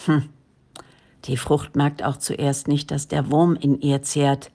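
A woman's voice: low-pitched, flat delivery, slow, mellow, full character voice. A woman reading the part of an earnest male prophet who speaks in a solemn, preaching way. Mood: warning.

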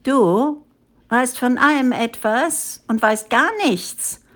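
Young monkey rebel female reader, storybook: high-pitched, indignant, defiant, protesting. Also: lively intonation, slow. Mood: scornful.

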